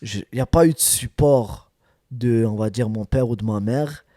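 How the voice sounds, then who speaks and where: A man's voice: medium pitch, normal speed, mellow, dry recording, studio quality. A man talking casually as a rapper being interviewed, emphatic, often repeating phrases and checking that he is understood.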